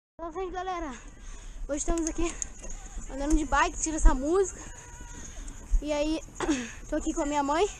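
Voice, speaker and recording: The speech moves at a fairly quick pace over crowd noise in the background, with a dry sound and no echo. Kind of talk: casual vlog chat while riding. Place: bicycle. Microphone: helmet.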